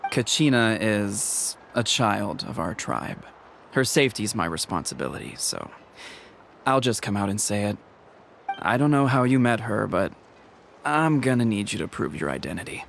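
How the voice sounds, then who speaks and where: A man voicing a stern, protective tribal chief in a video game, measured, blunt and authoritative. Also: lowish voice, very animated, vocal fry, a bit bright, a little hiss or hum, heavily acted. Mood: stern, guarded.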